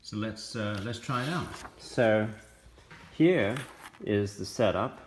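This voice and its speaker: A man presenting a science video, explaining a demonstration step by step in measured, halting short phrases. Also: on the low side, lively intonation, a little hiss or hum. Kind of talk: explanatory narration of an electronics demonstration.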